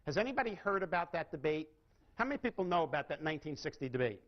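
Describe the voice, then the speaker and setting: A man's voice: fairly high pitch, very animated, fast, lo-fi sound. A man giving a live seminar talk, often putting questions to his audience and showing how inflection changes meaning. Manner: asks the audience rhetorical questions and demonstrates inflection. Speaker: seminar speaker.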